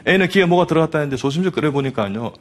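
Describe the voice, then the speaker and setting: A doctor in his fifties gives a fervent, preacherly Christian testimony to a studio audience, speaking emphatically and addressing listeners directly. His voice is on the high side, with lively intonation, and he races along.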